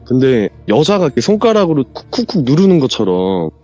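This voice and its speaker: A man's voice: medium pitch, a little fast, highs cut off, faint music behind. A man guest on a horror radio show, casually telling a true ghost story and acting out the lines people said. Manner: animated, acts out quoted lines from the story.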